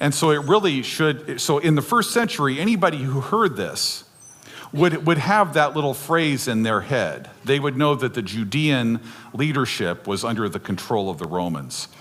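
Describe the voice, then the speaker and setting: With noticeable background noise behind him, a man speaks at a moderate pace with a fairly high pitch and very wide pitch swings. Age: 60s. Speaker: pastor. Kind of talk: sermon. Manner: casual, hesitant with fillers.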